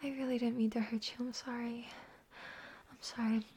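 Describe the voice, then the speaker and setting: A young woman performing a whispered audio roleplay, voicing an anxious, apologetic young woman who soothes a crying partner in hushed, repetitive murmurs. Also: on the high side, little pitch movement, moderate pace, lightly acted. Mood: hushed, soothing.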